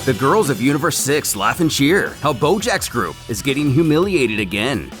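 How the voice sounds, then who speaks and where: Male narrator, animated delivery for a comic recap, music underneath. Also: medium pitch, normal speed. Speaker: narrator of a fan comic series. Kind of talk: scripted story recap narration with acted quotes.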